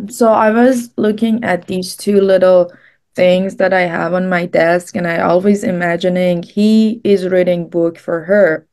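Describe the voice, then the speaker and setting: A woman's voice: lowish voice, steady tone, a little slow, darkish tone. A young woman explaining casually on a video call. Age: young adult. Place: home room, on a video call. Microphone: computer mic on a video call.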